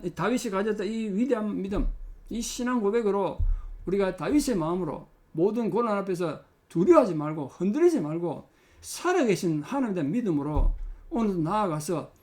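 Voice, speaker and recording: A middle-aged man preaches with a notably high voice. His delivery is earnest and climbs into emphatic exhortation as he urges his listeners on. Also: darkish tone. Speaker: pastor. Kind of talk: sermon.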